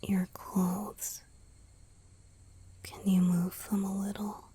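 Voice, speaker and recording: A woman plays a tender young male vampire boyfriend in a romantic ASMR roleplay. The voice is soft and breathy, with very slow, intimate delivery. He soothes and gently teases, affectionate throughout. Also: mid-range voice, flat delivery. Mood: tender whisper. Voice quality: breathy, mostly whispered.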